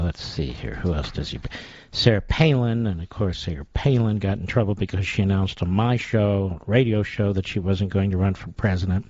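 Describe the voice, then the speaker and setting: A man's voice: low voice, darkish tone, dry recording. A man hosting a talk radio show, delivering a sarcastic, combative opinion monologue. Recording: dull lo-fi dry sound.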